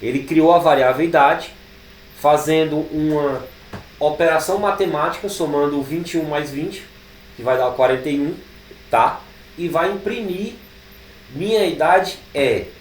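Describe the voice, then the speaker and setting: A Brazilian man teaching programming, thinking aloud as he types code, with drawn-out fillers. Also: a little high, recorded from a distance. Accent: Brazilian Portuguese. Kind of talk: live coding class. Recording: echoey room, speaker away from the mic, faint background noise.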